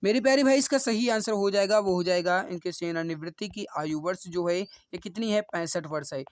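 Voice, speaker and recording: A man with a high voice teaches an online exam-prep class at a fairly quick clip, addressing students as dear brothers and sisters and repeating every answer. He makes rousing motivational appeals, and the recording has no room sound.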